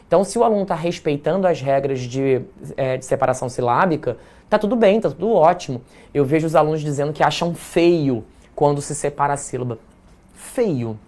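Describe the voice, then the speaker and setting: A man's voice: on the high side, a little mellow. A Brazilian man teaching a live online writing class, in a chatty, playful way that keeps checking in with the audience. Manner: chatty, playful, tags remarks with "tá?".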